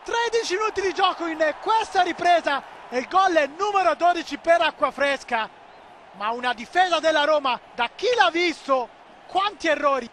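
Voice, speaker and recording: A man giving excitable live football commentary, swinging between clipped calls and drawn-out shouts. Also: extremely high pitch, a little hiss or hum.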